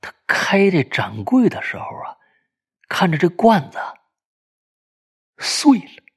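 A man's voice: high voice, wildly swooping pitch, slow pace, breathy edge, pitched above the performer's own voice, full character voice. Worried middle-aged antiques guy, tense, voice jumps around, as a storyteller puts him on.

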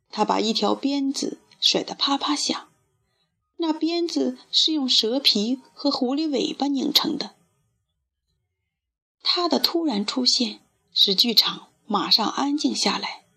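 A woman reading a storybook aloud to children in a gentle, expressive way. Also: on the high side, breathy edge.

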